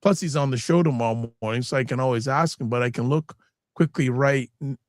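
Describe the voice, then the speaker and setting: A man's voice: medium pitch, fairly quick, no echo, clean studio sound. A man hosting a live-streamed talk show, chatting casually and animatedly, often cutting himself off and joking. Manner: animated, self-interrupting, jokey. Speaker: host.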